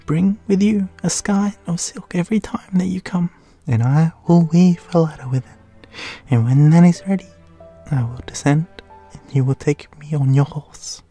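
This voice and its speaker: Man putting on a high, sweet young maiden. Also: moderate pace, warm tone, husky, soft background music. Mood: sweet, earnest. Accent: Australian. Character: sweet, guileless young maiden in a fairy tale. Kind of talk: storybook character voice.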